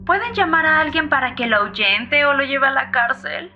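An actress playing a feisty, fearless, irritated 911 caller in a horror audio story, brash and mocking, heard through a phone filter. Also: female voice, high-pitched, animated, moderate pace, soft background music. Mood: annoyed, unbothered. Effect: phone-line filter. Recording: thin band-limited phone sound.

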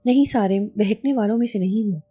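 A level-headed young wife in a horror audiobook who speaks with calm confidence, as a woman narrator reads her. Her tone is mellow and breathy, with quiet music underneath. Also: mid-range voice, normal speed, natural voice. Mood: firm.

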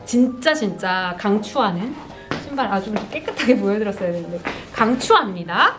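A woman's voice: mid-range voice, animated, moderate pace, music in the background. A woman in her thirties chatting casually and expressively to camera as a vlogger, showing off personal items with cute exclamations. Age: 30s. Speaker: vlogger, host. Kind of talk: casual product show-and-tell to camera. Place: bright small indoor room with sofa.

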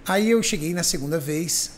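A man's voice: fairly high pitch, moderate pace, a little hiss or hum. A man hosting a podcast, telling a story in casual chat and acting out the voices of the people in it. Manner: animated, acts out the voices in his stories. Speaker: podcast host.

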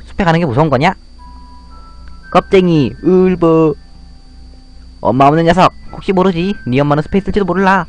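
A man's voice: fairly high pitch, moderate pace, pauses often, faint music behind, voice pushed up, natural voice. Man playing jeering schoolyard bully kids. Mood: taunting. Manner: sneering, jeering. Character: mean schoolyard bullies, young boys, taunting.

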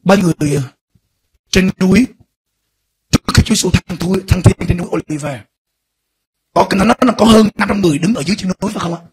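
A middle-aged male pastor preaching a fervent sermon, dropping to a hush and then rising to shouts. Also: sits high, quick pace, long pauses, slightly rough. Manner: impassioned preaching, swings between hushed and shouted.

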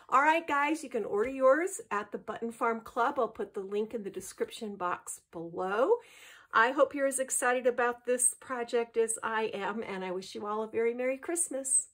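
A woman's voice: on the high side, a bit bright. A cheerful middle-aged woman casually chatting as she presents a craft kit at a table, upbeat and enthusiastic. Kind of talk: casual craft show-and-tell.

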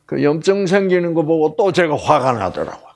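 Delivering a health lecture at a moderate pace, a middle-aged man with a fairly high voice shares a personal anecdote. His storytelling is animated, and he performs the quoted voices himself.

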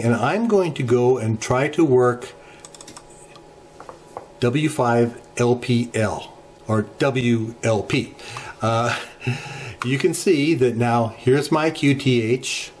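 A middle-aged man hosting a ham radio channel, walking through software settings in an unhurried tutorial with many filler pauses, recorded at a desk in his home radio room. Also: mid-range voice, a little hiss or hum. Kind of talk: screen-share software tutorial. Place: home radio shack, indoors.

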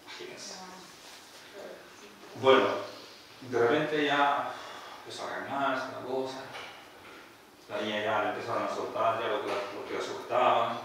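A man, a priest, telling a story in a sermon at a retreat, animated and acting out what people said. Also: medium pitch, unhurried, pauses often, slight background noise. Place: retreat hall. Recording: echoey room, far from mic.

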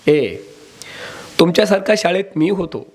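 High-voiced man telling a sermon story. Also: lively intonation, measured pace, a little hiss or hum. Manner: dramatic, sing-song emphasis, addresses children. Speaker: kirtan preacher and storyteller.

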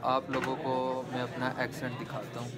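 A man's voice: medium pitch, completely flat delivery. A young man clowning through a mock sales call on a call center floor. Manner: playful, slow, exaggerated. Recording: office crowd chatter behind.

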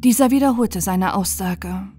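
A woman reading a bedtime fairy tale aloud in a calm, measured storytelling manner. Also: mid-range voice, breathy edge, faint music behind. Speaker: audiobook reader.

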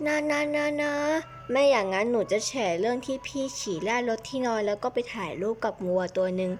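A woman's voice: medium pitch, fast talker, faint music behind. A woman chatting playfully through a game role-play, hopping between little characters.

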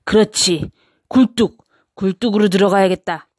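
A woman's voice: mid-range voice, moderate pace, darkish tone, breathy edge, dry recording, studio quality, close to an everyday voice. A woman voicing a hungry, menacing big bad wolf in a children's storybook, gloating and drawing out the threats. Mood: scheming. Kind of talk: children's storybook read-aloud.

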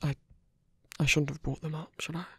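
A man playing a wounded, gentlemanly villain in love in an intimate ASMR roleplay, breathy and husky, often whispering, with a hesitant, polite, weakened delivery. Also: fairly high pitch, level tone, no echo, exaggerated voice. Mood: tender, hesitant. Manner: hesitant, halting, polite and formal.

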